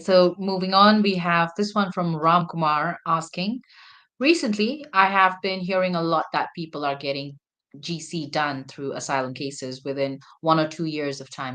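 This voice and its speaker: Low-voiced woman hosting a Q&A. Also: fairly bright tone. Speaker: host and moderator. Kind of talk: moderating, reading out audience questions.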